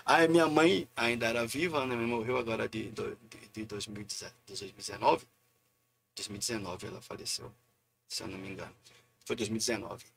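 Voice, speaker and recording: A man, a guest poet telling lively anecdotes in a casual live interview and acting out the voices of the people he quotes. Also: fairly low pitch, brisk, creaky.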